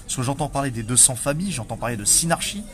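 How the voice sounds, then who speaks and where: Male interviewer, rapid casual delivery, emphatic recaps. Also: medium pitch, lively intonation.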